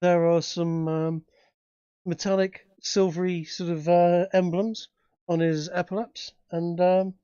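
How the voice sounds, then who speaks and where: Halting male game master, dull mic. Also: high voice, little pitch movement, mellow, smooth, no echo. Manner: halting, many restarts and fillers. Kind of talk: narrating a tabletop game.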